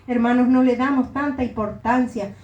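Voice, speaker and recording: A woman's voice: on the high side, fairly even intonation, moderate pace, a little mellow, muffled recording. A middle-aged woman pastor with an Argentine Spanish accent, giving an earnest, emotional sermon testimony. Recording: roomy echo.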